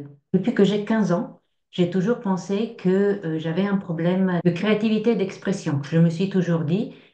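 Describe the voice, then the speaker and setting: Recorded with audible room echo, a woman speaks in a dark, mellow tone at a fairly slow pace. Her pitch is fairly low, with ordinary pitch variation. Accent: Italian. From Italy. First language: Italian (speaking French). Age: 60s. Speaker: interviewee, retired HR professional. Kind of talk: testimony interview. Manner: halting, many hesitations.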